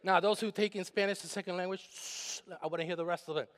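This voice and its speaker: High-voiced emphatic male preacher in a reverberant church. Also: steady tone, fast. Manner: emphatic call-and-response preaching, rising to shouts. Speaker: pastor. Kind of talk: sermon. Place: church sanctuary. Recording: long hall reverb in a church.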